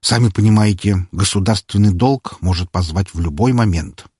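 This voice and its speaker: A composed, diplomatic executive, voiced by a male audiobook reader. The tone is low and a little husky, with a dry, close sound. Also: normal speed, no room sound. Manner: calm, diplomatic.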